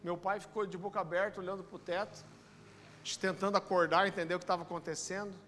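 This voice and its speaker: Animated Brazilian pastor in a reverberant hall. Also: male voice, sits high, fast talker, slight background noise. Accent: Brazilian Portuguese, Curitiba. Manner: animated storytelling, addresses listeners as brother. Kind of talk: sermon with personal testimony. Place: church auditorium.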